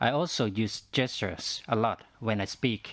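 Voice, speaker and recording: A man with a non-native accent speaks in a medium pitch with ordinary pitch variation. The recording is very clean, with a silent background. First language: not English. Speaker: student. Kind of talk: scripted dialogue.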